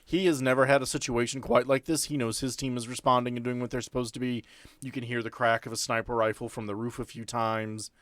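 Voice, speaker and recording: A man acting as game master, narrating and explaining a tabletop game in a deliberate, explanatory way. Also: medium pitch, level tone, a bit bright, dry recording.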